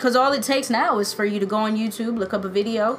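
An animated woman with an American accent, medium pitch and noticeable background noise. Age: 20s. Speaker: podcast host. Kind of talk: casual interview conversation. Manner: animated, laughs often.

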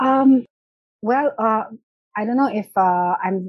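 Very slowly, a woman says her words. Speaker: creative writing professor and writer. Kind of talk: interview. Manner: hesitant, many filler sounds.

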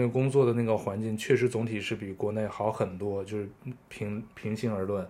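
A man's fairly low voice at a moderate pace, flat and monotone in intonation. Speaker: podcast host. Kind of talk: casual chat interview. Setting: recorded at a friend's home in Lisbon.

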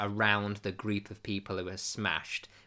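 A man with a British accent speaks at a fairly low pitch in a bright, sharp tone. The recording is very clean, with a silent background. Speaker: podcast co-host. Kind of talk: casual chat, sitcom review.

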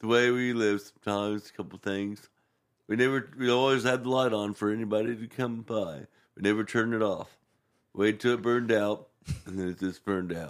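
The speech moves at a fairly quick pace. Its intonation stays fairly even. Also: man, fairly low pitch for a man. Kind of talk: casual chat.

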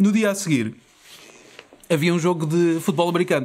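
A man speaks with a European Portuguese accent. His pace is moderate. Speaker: traveller telling a travel story. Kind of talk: casual storytelling chat. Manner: animated.

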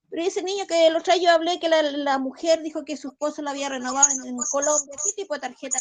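Talking at a very fast pace with hardly any pauses, a woman with a high pitch keeps fairly even intonation despite big swings in loudness. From Chile. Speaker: caller, returned migrant. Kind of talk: casual opinion in group call. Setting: online voice chat.

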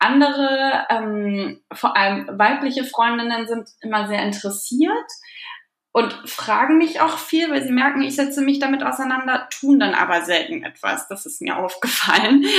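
Audible room echo around lively intonation delivered at a moderate pace. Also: woman, high pitch for a woman. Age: 20s. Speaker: fashion industry worker and finance influencer. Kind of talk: interview. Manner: frequent hesitations.

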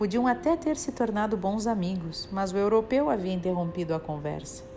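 With music in the background, someone speaks at a moderate pace in a Brazilian accent. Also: woman. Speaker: audiobook reader and book-club host. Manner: warm, informal and friendly when commenting.

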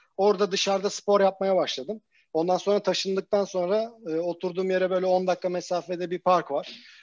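The pace is fairly quick. The background stays quiet. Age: 30s. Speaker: software developer. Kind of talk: interview.

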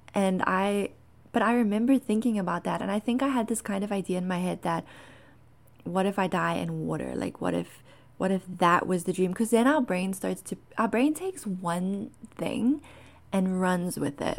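A normal speaking voice, moderately paced and with ordinary pitch variation. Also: woman, medium pitch for a woman. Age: 30s. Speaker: mental health podcaster. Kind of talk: casual chat.

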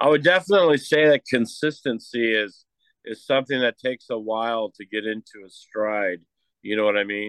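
Using an ordinary speaking voice, a man of medium pitch talks at a fairly quick pace with ordinary pitch variation and big swings in loudness. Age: 50s. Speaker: podcast co-host. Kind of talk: interview. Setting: live-streamed video call.

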